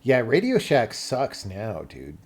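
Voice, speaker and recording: A man's voice: mid-range voice, wildly swooping pitch, takes it slowly, slightly rough. An American man chatting casually on a livestream, explaining tech and thinking aloud in an informal, rambling way. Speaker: live streamer.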